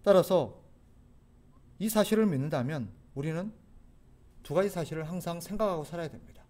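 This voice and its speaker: A male pastor with a high, bright-sounding voice delivers a sermon. He speaks earnestly and exhorts his congregation, at times pleading with them urgently. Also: lively intonation, moderate pace. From South Korea.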